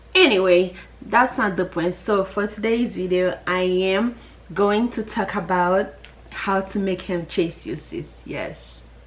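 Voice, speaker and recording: Noticeable background noise sits under a woman's voice. Her pitch is medium, with ordinary variation. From Haiti. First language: Haitian Creole or French. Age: 20s. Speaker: YouTuber giving relationship advice. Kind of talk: casual advice vlog. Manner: hesitant, searching for words.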